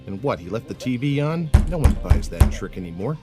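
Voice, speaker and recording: An actor playing an impatient, gruff city police officer who speaks forcefully in an audio drama. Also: male voice, mid-range voice, very animated, brisk, music in the background, lightly acted. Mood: scornful.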